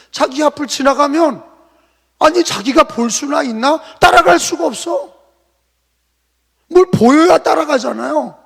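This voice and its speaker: A man preaches from the pulpit in an unusually high voice with a gravelly edge. He presses his point with rhetorical questions and sudden loud bursts. His words trail off into a long hall echo. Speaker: pastor. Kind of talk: sermon. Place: church sanctuary.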